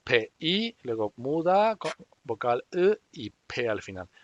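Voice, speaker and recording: A male teacher leads an online beginner class at a middle pitch. He speaks patiently, spelling out sounds one by one and asking students to repeat after him. His voice comes through a video-call mic. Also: very animated, slow pace, dull audio. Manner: patient, drills pronunciation and has students repeat. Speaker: Korean language teacher.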